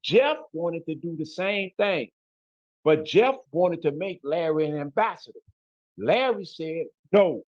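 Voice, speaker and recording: A man's voice: a little high, animated, unhurried, no echo, muffled recording. A man from Chicago with a Chicago accent, a guest in an interview who talks bluntly and emphatically in street slang. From Chicago, USA. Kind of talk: casual interview talk.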